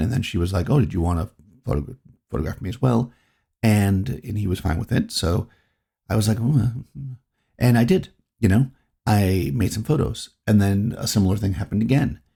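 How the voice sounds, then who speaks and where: Somewhat breathy and dark, mellow in tone, a man speaks at a fairly low pitch and a fairly quick pace with ordinary pitch variation. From New England. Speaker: podcast host and photographer. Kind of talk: solo podcast monologue. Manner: casual, conversational with fillers.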